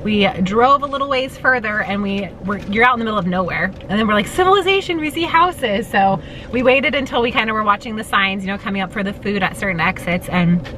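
A woman's voice: medium pitch, lively intonation, fairly quick, low-quality recording. A woman in her thirties chatting upbeat to the camera on a family road trip vlog, filmed at arm's length inside a car. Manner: chatty and upbeat, lots of fillers. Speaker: family vlogger. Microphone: handheld camera at arm's length. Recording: loud car noise. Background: road and engine noise.

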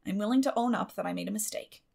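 A woman voicing a stern, plain-spoken older spinster with a brisk, firm manner in a storybook reading. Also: mid-range voice, creaky, a little mellow. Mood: candid. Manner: brisk, firm, matter-of-fact.

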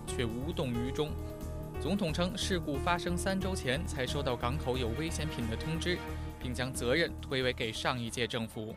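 A man reads measured, formal news narration in a mid-range voice. Loud music runs under his voice-over throughout. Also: medium pitch.

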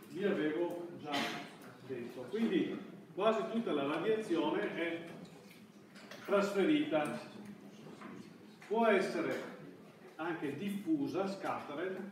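A middle-aged university lecturer with a fairly high voice teaches indoors in a classroom, his delivery halting and hesitant, with words breaking off midway. A far camera at the back of the room picks him up, so the sound is echoey, distant and carries background noise.

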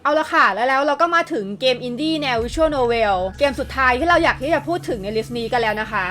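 A woman's voice: high voice, fast, fairly bright tone. A woman hosting a video list in an upbeat scripted narration, addressing viewers in a polite, friendly way. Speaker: video host presenting a game list. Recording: music behind the voice. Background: background music.

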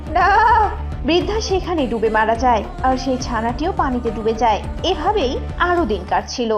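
High-voiced woman narrating over loud music. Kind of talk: scripted storybook cartoon narration. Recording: dull lo-fi audio with loud music.

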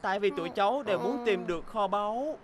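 A woman's voice: mid-range voice, animated, fast talker, a crowd in the background, close to an everyday voice. A woman voicing a young boyish bus in a children's cartoon, eager and easily indignant, over music. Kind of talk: dubbed children's cartoon acting. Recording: music behind the dialogue.

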